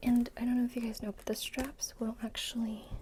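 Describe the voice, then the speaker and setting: Noticeable background noise surrounds the voice. A soft-spoken woman talks at a fairly high pitch. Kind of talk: ASMR unboxing, soft-spoken talk to camera.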